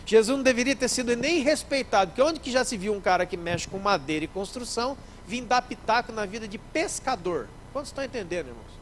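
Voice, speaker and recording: A man, a pastor preaching a sermon in church, lively, acting out little scenes and speaking straight to the congregation. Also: high voice, quick pace, hardly any pauses, a little hiss or hum, poor audio. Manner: animated, acts out scenes, addresses the congregation directly.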